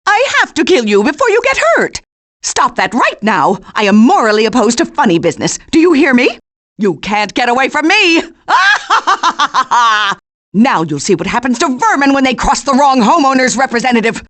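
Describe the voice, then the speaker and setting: High, ruthless suburban busybody. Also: female voice, very animated, normal speed, a bit bright. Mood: furious, menacing. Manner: haughty, threatening. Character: officious, ruthless suburban homeowners' association woman. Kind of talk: cartoon video game voice acting.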